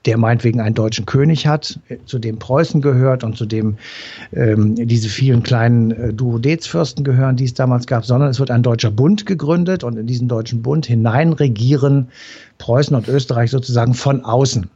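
A man with a husky, mellow voice explaining history patiently in a relaxed conversation, stopping on filler sounds as he lays out each point. The recording sounds a little dull and lo-fi. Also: medium pitch, a little fast. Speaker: history expert guest.

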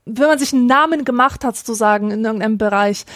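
High-voiced woman co-host. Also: fast, fairly bright tone, no room sound, studio quality. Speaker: podcast co-host, author. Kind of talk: casual chat.

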